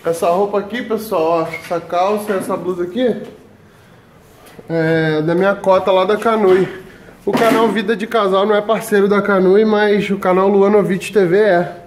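Male vlogger, 20s, Brazilian accent, high-pitched, informal and slangy, noisy echoey handheld recording. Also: fairly even intonation, moderate pace. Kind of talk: casual vlog chat. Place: tiled kitchen and large covered rooms. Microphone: phone at arm's length. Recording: echoey rooms with noisy handheld camera sound.

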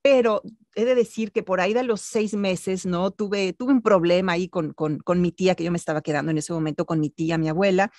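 A woman's voice: fairly low pitch, brisk, no echo, studio quality. A middle-aged woman from Mexico City, born in Italy, telling her story as an interview guest over a video call. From born in Italy, raised in Mexico City. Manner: animated, gestures while telling stories. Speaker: guest, actress and voice artist. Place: home room with bookshelf.

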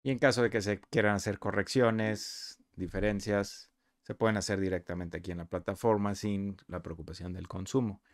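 A man talking conversationally and explaining step by step over a screen recording of a software walkthrough. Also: fairly low pitch, steady tone, normal speed, dry recording, clean studio sound. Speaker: software reviewer.

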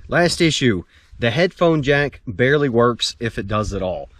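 A man's voice: mid-range voice, lively intonation, moderate pace, dry recording. An American man in his forties giving a casual, plain-spoken gear review to camera outdoors. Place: outdoors in a dirt clearing among pines.

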